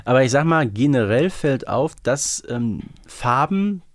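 A man's voice: medium pitch, lively intonation, measured pace, dry recording, studio quality. A man co-hosting a casual fan podcast, chatting with wry, playful asides. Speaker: podcast co-host.

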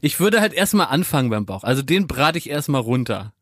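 A man's voice: medium pitch, big pitch swings, a little fast, a bit bright, dry recording, studio quality. A man chatting in casual comedic banter, slangy and joking.

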